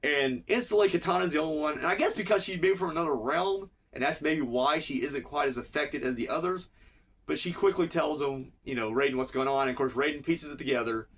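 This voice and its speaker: A man's voice: on the high side, a little fast, breathy edge, far from the mic. A man with a cold recapping a cartoon episode in a rambling, profane, casual way. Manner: rambling, profane, filler-heavy. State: has a cold.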